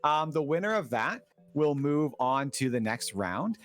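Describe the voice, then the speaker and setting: A man casting an esports tournament in a relaxed, chatty way, full of fillers. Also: on the high side, unhurried, faint music behind. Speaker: esports caster.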